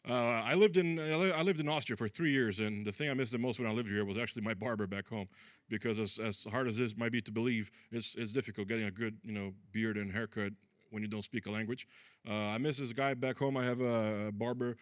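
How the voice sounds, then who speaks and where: A man's voice: on the low side, quick pace, no echo. Brazilian-born man doing dry stand-up. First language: Portuguese. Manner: deadpan, crude punchlines with frequent fillers. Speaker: stand-up comedian. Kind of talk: stand-up comedy set. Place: comedy club stage.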